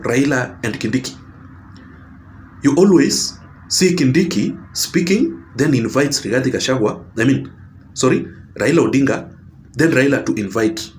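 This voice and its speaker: A Kenyan-accented man talking straight to his audience in a political commentary vlog. His pitch sits in an ordinary middle range. He hammers his points home with repetition and stops to correct himself with "I mean". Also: a little hiss or hum. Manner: emphatic and repetitive, corrects himself mid-sentence.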